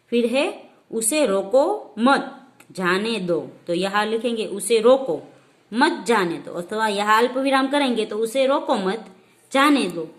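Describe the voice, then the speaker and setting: Woman teacher from india, slow careful dictation for kids, kinda high voice. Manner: methodical, dictates step by step. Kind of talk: slow explanatory lesson for children.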